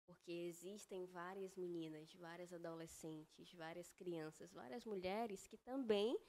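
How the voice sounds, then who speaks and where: A woman guest talking on a faith-based podcast, her speech earnest and reflective. She talks in measured phrases and often checks in with a quick tag question. Her pitch sits in an ordinary middle range.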